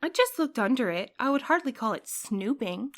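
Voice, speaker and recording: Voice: medium pitch, big pitch swings, moderate pace, fairly bright tone. An actor voicing a cautious, rule-minded courier in an audio drama who worries and protests. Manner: anxious, protesting, a bit prim. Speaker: night courier Milo.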